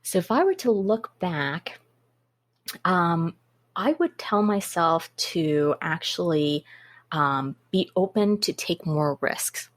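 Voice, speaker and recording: A woman guest on a business podcast, answering interview questions in a measured, methodical way. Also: lowish voice, expressive, dry recording. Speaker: guest, business systems consultant.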